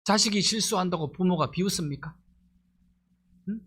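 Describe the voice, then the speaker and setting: A man's voice: high-pitched, normal speed, a bit bright, husky. A middle-aged male pastor delivering a sermon, pressing his points with rhetorical questions and rising emphasis.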